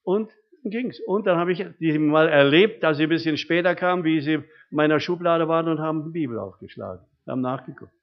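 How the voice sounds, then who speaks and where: A man's voice: a little high, fairly quick. An older man preaching a sermon, telling homely stories from his life and often tagging his sentences with rhetorical questions. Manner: folksy storytelling with frequent rhetorical tag questions. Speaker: lay preacher. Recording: dull, muffled recording.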